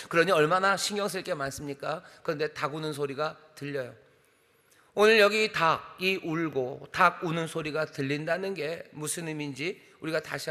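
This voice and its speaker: A man's voice: a little high, bright, forceful tone, long reverb tail. A male senior pastor giving an earnest dawn sermon in a church, asking many rhetorical questions. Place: church sanctuary.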